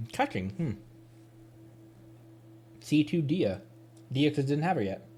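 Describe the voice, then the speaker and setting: A man's voice: fairly high pitch, very animated, slow, mellow, slight background noise. A man doing casual live game commentary, playfully muttering to himself and chatting to his viewers. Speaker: streamer.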